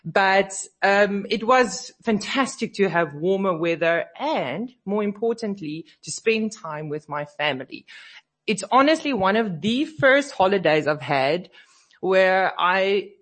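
A woman's voice: medium pitch, animated, measured pace, fairly bright tone. A woman hosting a radio show, chatting casually and a bit sleepy, her voice slightly scratchy from a cold. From South Africa. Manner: chatty, sleepy, laughs easily. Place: radio studio.

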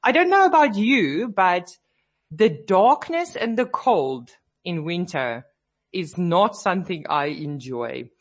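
In a radio studio, a South African woman hosts her show in a lowish, slow voice with big pitch swings. She's chatty and a bit sleepy, laughs easily, and sounds slightly scratchy from a cold.

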